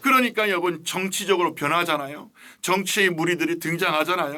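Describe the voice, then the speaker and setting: A man speaks here. His tone is bright and sharp. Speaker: evangelist and worship leader. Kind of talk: sermon. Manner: emphatic, repetitive preaching.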